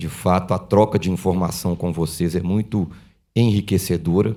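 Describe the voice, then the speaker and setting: In a Minas Gerais accent, a man talks at a moderate pace with a very deep, low pitch and a dark, mellow tone, on a very clean recording with a silent background. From Minas Gerais, Brazil (Viçosa). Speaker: legislative consultant. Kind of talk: conference talk. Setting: panel with live audience.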